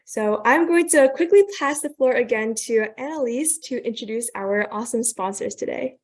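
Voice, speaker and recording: A woman's voice: a little high, normal speed. Earnest young woman giving a speech. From Thailand, raised in New York. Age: young adult. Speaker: guest speaker. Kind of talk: prepared presentation on a video call.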